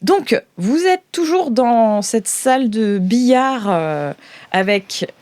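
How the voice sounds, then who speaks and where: A woman hosting as game master, improvising tabletop game narration in a halting, amused way. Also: fairly high pitch, animated, darkish tone.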